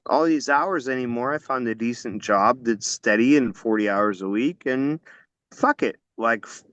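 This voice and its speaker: A man's voice: medium pitch, normal speed, fairly bright tone, dry recording, highs cut off. A man in his forties chatting loosely as a podcast guest, rambling and cursing casually. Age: 40s. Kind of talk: casual chat.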